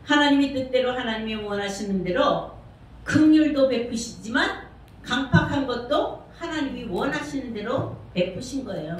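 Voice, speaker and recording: Her voice is fairly high and expressive, at a normal speed, with a little hiss or hum in the audio. She's a woman pastor giving a conversational sermon in a church sanctuary, posing questions to the congregation, heard from a distance in a heavily echoing space.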